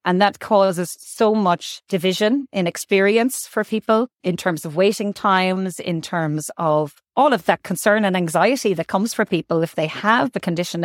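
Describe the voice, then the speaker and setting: A woman's voice: medium pitch, no echo, clean studio sound. A woman doctor, answering interview questions thoughtfully and often repeating words as she thinks. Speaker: guest doctor.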